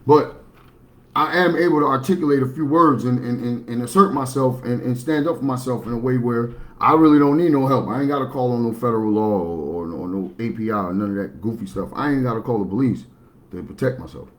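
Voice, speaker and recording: A man, talking bluntly and matter-of-factly in a rambling livestream monologue. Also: brisk. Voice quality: baritone. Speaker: livestream host.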